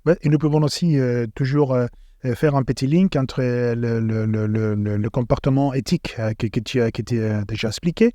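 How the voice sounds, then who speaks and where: Spanish guy hosting a podcast in french, foreign accent, soft mellow tone, gropes for words, close dry sound. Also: medium pitch, fairly even intonation, dry recording, muffled recording. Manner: halting, searching for words in non-native French. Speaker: podcast host. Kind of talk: conversational interview.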